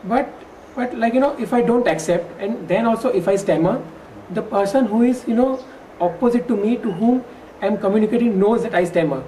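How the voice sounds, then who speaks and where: Woman interviewee, stammers on first syllables, hesitant, soft dark tone, mic set back from her. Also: on the high side, fairly quick. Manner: hesitant, many fillers and restarts. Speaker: stammering workshop participant. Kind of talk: interview answers. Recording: distant mic with faint background noise.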